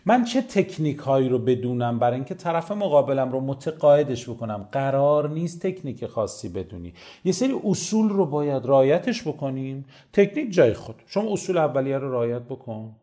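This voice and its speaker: Male trainer, conversational lecture, warm and mellow, very expressive pitch, talks straight to the listener. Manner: animated, rhetorical questions, addresses listener directly. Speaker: negotiation trainer.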